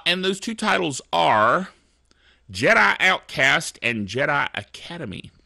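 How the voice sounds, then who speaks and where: A middle-aged man hosting a tech news podcast, chatty and animated, laughing at his own jokes. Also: on the high side, vocal fry, no room sound, studio quality. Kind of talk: casual tech news commentary.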